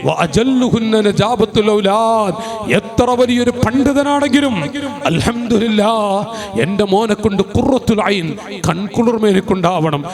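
Man, high voice, Islamic preacher, sermon, slow chanted Arabic phrases, hushed storytelling. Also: crowd noise.

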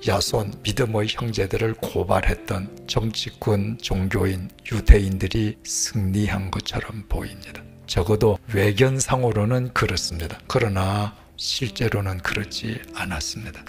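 An older male pastor delivering a measured, earnest sermon, often dropping to a hushed whisper at the ends of sentences, on a headset mic. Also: on the low side. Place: plain studio stage, indoors.

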